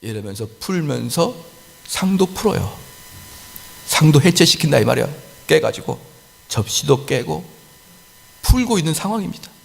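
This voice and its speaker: A man preaching a sermon as pastor, lively and animated, acting out little scenes of quarrels. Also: fairly high pitch, normal speed, vocal fry, long pauses, long reverb tail. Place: church sanctuary.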